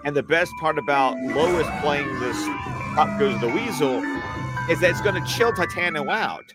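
Lively man gushing about a cartoon. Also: a little high, normal speed, loud music behind the voice. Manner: enthusiastic, fond, adds trivia. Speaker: podcast co-host. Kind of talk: casual fan commentary on a cartoon.

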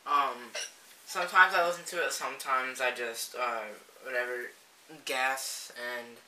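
A man's voice: mid-range voice, steady tone, measured pace, bright, forceful tone. A man as a guest in a casual chat, explaining things hesitantly and rambling with many fillers. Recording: roomy, distant mic, faint hiss.

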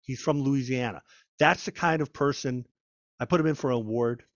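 A man, a former federal agent, telling stories in a conversational interview, animated and often repeating and restarting his words. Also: mid-range voice, moderate pace, dry recording, dull audio. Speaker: guest, former FBI agent. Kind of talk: conversational storytelling.

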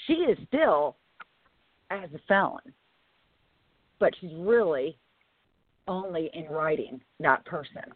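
A woman hosting a live talk radio show in a low, raspy voice, speaking deliberately and leaning on phrases for emphasis. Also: big pitch swings, no room sound. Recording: tinny phone-line radio audio.

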